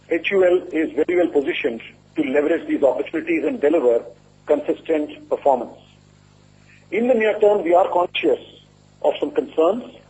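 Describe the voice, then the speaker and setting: A man speaking as a company executive, giving a formal, measured and deliberate earnings presentation. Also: a little high, mellow. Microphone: conference call line. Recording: muffled lo-fi conference call audio.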